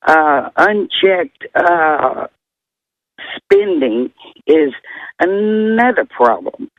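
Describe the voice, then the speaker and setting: A hoarse man calling in to a radio show, ranting in an agitated, rambling way. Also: a little high, fairly bright tone, no echo. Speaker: caller. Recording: phone line.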